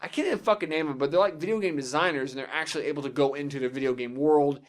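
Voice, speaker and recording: A young man with a slightly raised voice hosts a casual podcast discussion. He rattles along at a quick clip. His delivery is opinionated, informal and full of profanity. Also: a little high. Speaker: podcast host.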